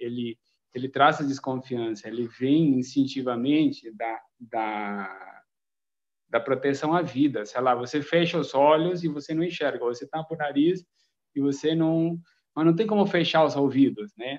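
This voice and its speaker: A man speaks with an Argentine accent at a fairly slow pace. His pitch is fairly high with ordinary variation, against a quiet background. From Argentina. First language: Spanish (speaking Portuguese). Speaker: film editor. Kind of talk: panel discussion.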